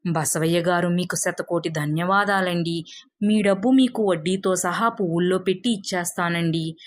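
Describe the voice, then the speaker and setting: A woman's voice: on the low side, moderate pace, natural voice. An honest village farmer from a storybook folk tale , voiced by a woman. He is humble and deferential, addressing his creditor with respectful, pleading manners. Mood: grateful. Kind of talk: dramatized moral folk tale.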